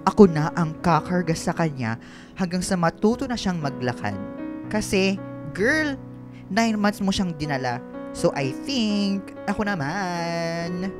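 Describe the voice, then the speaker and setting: Campy, animated gay Filipino man, played by an actor. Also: mid-range voice, a little slow, over music, natural voice. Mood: doting, playful. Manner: campy, melodramatic, Taglish with girly slang. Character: excitable effeminate gay man, best friend and expectant father. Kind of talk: radio drama acting.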